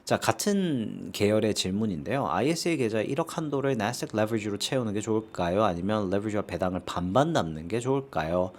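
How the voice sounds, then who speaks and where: A man with a fairly low voice speaks through a sore throat, casually answering viewer questions as the host of an investing channel. His pitch moves around a lot, and he keeps tossing in little rhetorical tag questions. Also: animated, quick pace, few pauses.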